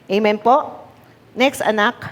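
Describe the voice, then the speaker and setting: A woman's voice: medium pitch, slow pace. A woman pastor with a Filipino accent preaching a sermon, switching between Tagalog and English, repeating key words for emphasis and calling on the congregation to answer. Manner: mixes Tagalog and English, asks the congregation for responses. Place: church hall. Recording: long hall reverb.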